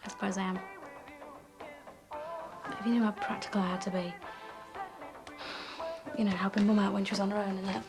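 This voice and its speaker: A woman's voice: medium pitch, little pitch movement, a little fast, long pauses, music in the background, natural voice. An actress playing a cautious, practical young woman in a TV soap, hesitant and defensive. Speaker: young woman living with her mother. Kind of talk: TV soap acting.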